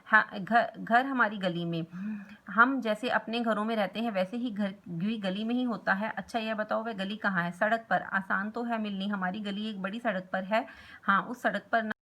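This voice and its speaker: A woman's voice: medium pitch, normal speed, bright, forceful tone. A woman voicing a kindly, chatty old male letter box who grumbles about scoundrels.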